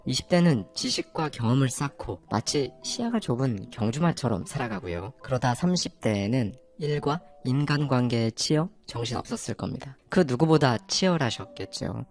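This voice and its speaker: Gravelly-voiced man giving a motivational talk. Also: mid-range voice, a little mellow. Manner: addresses listeners directly with rhetorical questions. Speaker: channel host.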